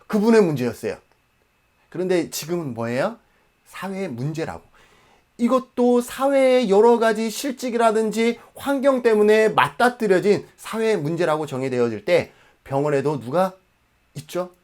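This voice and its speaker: A man's voice: sits high, lively intonation, moderate pace, darkish tone. A man in his forties from Jeju Island, South Korea, giving an exam-prep lecture emphatically, asking questions and answering them himself.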